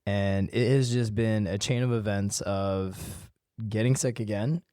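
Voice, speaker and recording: A man hosting his own podcast and talking casually to listeners, his voice a little hoarse from illness. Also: lowish voice, fairly even intonation, unhurried, dark tone, dry recording, clean studio sound. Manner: conversational, addresses listeners directly. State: voice worn from illness, slightly hoarse. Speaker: podcast host and physical therapist. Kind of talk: solo podcast talk.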